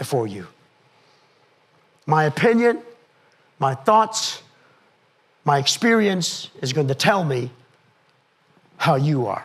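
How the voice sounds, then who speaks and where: Very slow and somewhat breathy, a man's fairly high voice moves through very wide pitch swings. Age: 60s. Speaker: keynote speaker, business consultant. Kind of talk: conference talk. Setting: stage with audience. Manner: animated.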